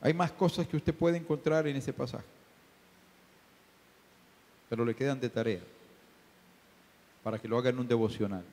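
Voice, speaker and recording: A male pastor preaching a sermon, asking the congregation rhetorical questions, swinging from hushed asides to shouted peaks. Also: mid-range voice, normal speed, pauses often. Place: church sanctuary. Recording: reverberant church hall.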